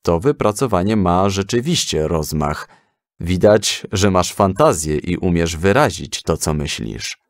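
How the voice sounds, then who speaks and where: A thoughtful father from a children's audio story, played by a man, gently teaching his son. His low voice is measured and kindly. The sound is dry and close. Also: animated, no room sound. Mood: hesitant, gentle. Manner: hesitant, measured, kindly instructive.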